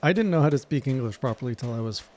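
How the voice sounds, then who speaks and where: A man whose first language is French comments on his game in a loose, thinking-aloud way, often trailing off mid-thought. His voice sits at an everyday middle pitch, easygoing and self-deprecating. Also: expressive, racing, a little mellow, slight background noise. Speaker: streamer. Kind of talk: casual gameplay commentary.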